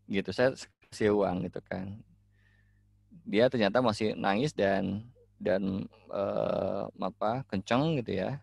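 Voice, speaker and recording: A man, a life coach, talking casually to his listeners, relaxed and full of fillers and restarts. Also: lowish voice, slow, vocal fry, long pauses, dry recording. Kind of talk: casual teaching talk.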